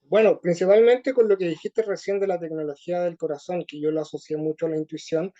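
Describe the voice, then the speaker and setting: A man with a Chilean accent answering interview questions slowly, with many pauses and fillers. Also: on the high side, warm tone, muffled recording. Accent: Chilean Spanish. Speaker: interview guest. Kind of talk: conversational interview.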